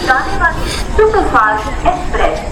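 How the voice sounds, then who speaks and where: Woman announcing over echoing station loudspeaker. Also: high-pitched, very animated, heavy background noise. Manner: formal, measured, announcing cadence. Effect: outdoor station loudspeaker. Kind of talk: public address announcement. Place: railway platform. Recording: echoey loudspeaker heard from afar.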